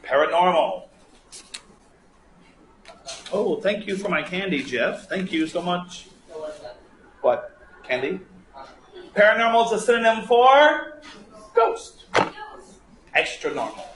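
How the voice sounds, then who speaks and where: A man's voice: high-pitched, big pitch swings, unhurried, pauses often, a bit bright. A man teaching a live writing class, thinking aloud and putting playful, teasing questions to his students. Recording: echoey room with faint background noise.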